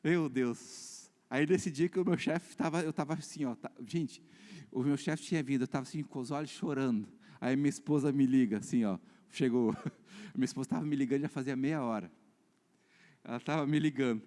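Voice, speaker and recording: A Brazilian man preaching a sermon as pastor, switching between loud, animated preaching and quiet storytelling. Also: medium pitch, fairly quick. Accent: Brazilian Portuguese. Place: church hall. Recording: reverberant church hall.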